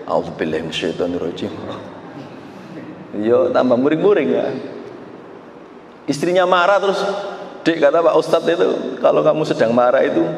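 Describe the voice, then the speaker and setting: Joking preacher, echoey hall. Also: male voice, on the high side. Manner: joking, mixes in Javanese phrases, acts out quoted people. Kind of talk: casual sermon. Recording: echoey hall, faint background noise.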